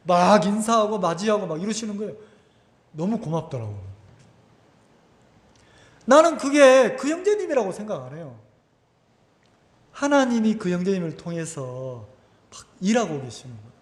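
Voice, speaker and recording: Animated pastor preaching in echoey hall. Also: male voice, sits high, normal speed, pauses often. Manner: animated, conversational preaching with rhetorical questions. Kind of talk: sermon. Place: church sanctuary.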